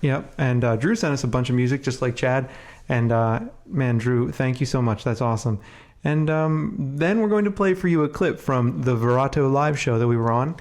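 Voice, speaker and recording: A man co-hosting a podcast in a relaxed, chatty way, sounding congested and sniffly from a cold and leaning on fillers. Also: medium pitch, moderate pace, hardly any pauses. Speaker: podcast co-host. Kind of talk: casual podcast chat.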